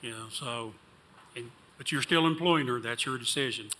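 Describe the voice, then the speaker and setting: A man's voice: medium pitch, moderate pace, bright, forceful tone, slight background noise. A man, a county commissioner, questioning a business owner in a blunt, conversational way. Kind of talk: questioning at a public hearing. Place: county board meeting room.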